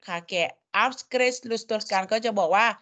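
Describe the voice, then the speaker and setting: A woman's voice: medium pitch, brisk, pushed and bright. A woman teaching a language lesson, coaxing students and drilling sounds syllable by syllable. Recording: dull lo-fi audio.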